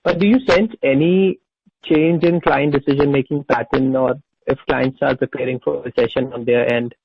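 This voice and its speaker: A man's voice: medium pitch, fairly even intonation, normal speed, vocal fry, slight background noise. A man asking questions as an analyst on an earnings call. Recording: dull lo-fi conference phone line.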